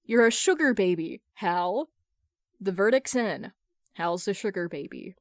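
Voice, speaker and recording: A woman's voice: medium pitch, animated, dry recording, natural voice. Woman playing a stern, interrogating woman, dry recording. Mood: accusing. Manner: pointed, interrogating, deliberate. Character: stern, sharp-witted female friend cross-examining like a prosecutor.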